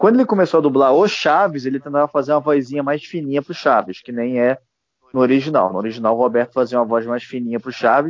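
With ordinary pitch movement, a male speaker at medium pitch talks at a very fast pace. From Rio de Janeiro, Brazil. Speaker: pop culture podcast panelist. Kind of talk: casual chat.

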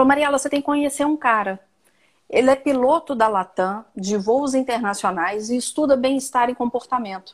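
The woman's high voice keeps a moderate pace and ordinary pitch variation. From Minas Gerais, Brazil (Itaúna). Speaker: speech therapist hosting live talk show. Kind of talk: casual chat. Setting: live stream video call.

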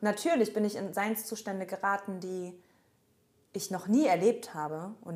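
A woman uses an unremarkable speaking voice at medium pitch and a moderate pace. Her loudness swings widely. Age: 30s. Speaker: spiritual podcast co-host. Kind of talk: casual chat.

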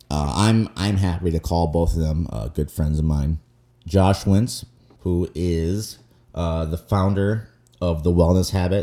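A dark, mellow tone comes at a fairly slow pace with ordinary pitch variation. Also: man. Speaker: podcast co-host, coach. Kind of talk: casual chat, podcast interview.

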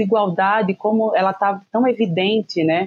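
The voice is an unremarkable speaking voice. It moves at a fairly slow pace. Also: woman. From Recife, Brazil. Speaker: audiovisual producer. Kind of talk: casual chat.

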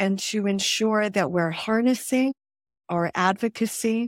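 A woman speaks in an ordinary speaking voice at medium pitch, with ordinary pitch variation and a fairly slow pace. The recording is very clean, with a silent background and a dry, close sound with no echo. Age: 50s. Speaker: business association CEO. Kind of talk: interview.

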